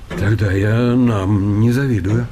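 A man's voice: on the low side, steady tone, slow pace, mellow, slight background noise. An actor playing a timid, educated male hypnotist in a radio comedy, polite, bookish and hesitant. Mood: nervous, evasive. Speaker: actor in a comedy audio play.

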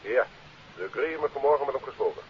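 Actor as a fast-talking, eager police inspector. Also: male voice, mid-range voice, expressive, natural voice. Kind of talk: 1950s Dutch radio detective drama acting. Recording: dull, hissy 1950s radio recording.

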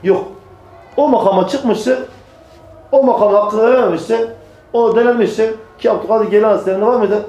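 Guy preaching to a small group, keeps asking questions and answering them, dark soft tone, roomy echo. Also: high voice, brisk. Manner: emphatic, asks rhetorical questions and answers them himself; repeats phrases for emphasis. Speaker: religious preacher. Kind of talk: religious talk to a small group.

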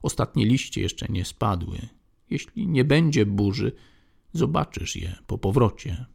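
A man's voice: lowish voice, lively intonation, unhurried, gravelly, a little mellow, husky, full character voice. A man reading an audiobook, voicing a young wife who talks in a playful, affectionate way. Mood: tender. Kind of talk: audiobook character voice.

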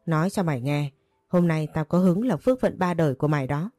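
A drunk, brutal young husband snarls and bullies, voiced by a woman reading a story. The voice stays low and dark. The sound is dry and close. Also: fast, no room sound, soft background music, natural voice. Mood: snarling. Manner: snarling, bullying.

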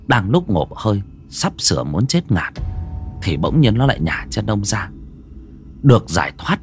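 A male storyteller, narrating a ghost tale with very lively, sweeping pitch. Faint music plays beneath his dramatic telling. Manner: dramatic, expressive.

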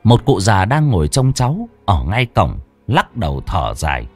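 A man's voice: lowish voice, huge pitch swings, moderate pace, husky, soft background music. Dramatic storyteller man. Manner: dramatic, swooping delivery. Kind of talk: folk ghost story narration.

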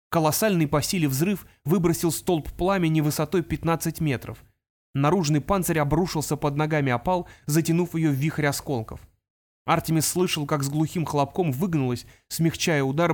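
A man reads an audiobook with steady, dramatic storytelling. His voice sits slightly higher than most men's. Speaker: narrator. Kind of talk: audiobook narration.

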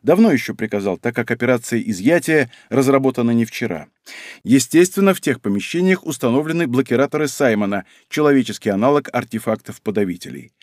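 A male narrator reads a first-person novel aloud, his pitch moving freely across each phrase. His voice sits in the middle of the range. The sound is dry and close, with no room in it. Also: animated, fast talker, a little mellow, no room sound. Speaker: audiobook narrator.

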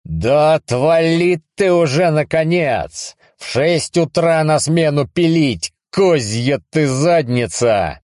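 A man's voice: mid-range voice, very animated, slow pace, a little mellow, no room sound, studio quality, pitched above the performer's own voice. A man reading a story aloud, voicing an irritable, hungover man who swears and snaps sarcastically. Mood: exasperated. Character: irritable hungover man woken at night, foul-mouthed. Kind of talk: audiobook reading.

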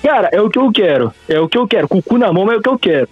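A man's voice: high-pitched, sing-song, very fast, husky, soft background music. Young man calling in over the phone. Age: 20s. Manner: slangy, sprinkles his talk with "cara" and "bicho". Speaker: caller. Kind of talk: casual chat. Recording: muffled phone call.

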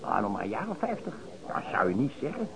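Lively, gossipy lodging-house regular. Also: male voice, on the low side, fast talker, gravelly, full character voice, rough recording. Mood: gossipy, warning. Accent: Netherlands Dutch. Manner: slangy, familiar. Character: gossipy, grumbling itinerant chair-caner, chummy lodging-house regular. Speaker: radio play actor. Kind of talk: radio drama dialogue. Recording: busy crowd chatter behind.

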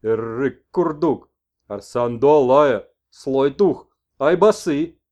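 A man voicing an old toothless shaman messenger who speaks in broken phrases and loud chanted exclamations. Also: mid-range voice, lively intonation, slow pace. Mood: chanting.

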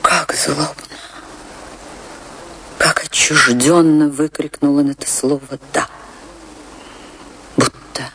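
An actress playing an anguished woman recalling her tragic love in a theatrical radio drama, with weighty pauses. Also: low voice, steady tone, heavy background noise. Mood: sorrowful. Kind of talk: dramatic first-person narration in a radio play.

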